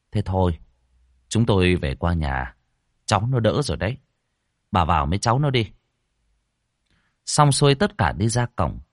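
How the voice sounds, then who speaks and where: A man narrating a horror story in an expressive, dramatic reading. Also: deep voice, no room sound, clean studio sound.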